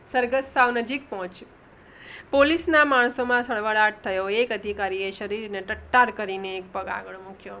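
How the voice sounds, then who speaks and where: A woman narrating an audiobook, lifting her voice for the characters' shouted lines and correcting her own slips as she goes. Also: mid-range voice, a little hiss or hum. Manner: reads dialogue with raised emphasis, corrects own slips. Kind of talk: audiobook reading.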